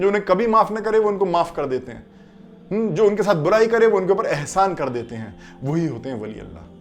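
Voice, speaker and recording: A man teaching through a story in an unhurried religious talk, often pausing to check in with his listeners. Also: high voice, darkish tone.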